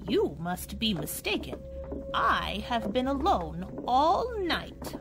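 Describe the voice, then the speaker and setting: A woman's voice: fairly high pitch, huge pitch swings, slow pace, music in the background, heavily acted. A woman playing a prim, sinister old woman who is secretly a cat creature in a radio horror drama. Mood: cool, indignant. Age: older.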